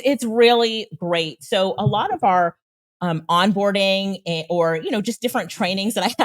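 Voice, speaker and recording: A woman's voice: on the low side, dry recording. A woman guest on an interview show, explaining tools with enthusiasm and frequent laughs. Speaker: guest, AI trainer and consultant. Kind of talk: casual interview talk.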